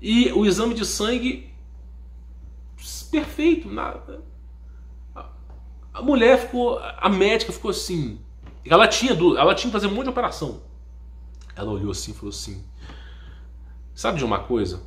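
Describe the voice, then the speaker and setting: Animated man telling a personal story. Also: high-pitched, normal speed, pauses often, reverberant. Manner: animated storyteller who acts out what others said; keeps stressing "no joke" and checking in with listeners. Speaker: YouTube channel host. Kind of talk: emotional personal testimony.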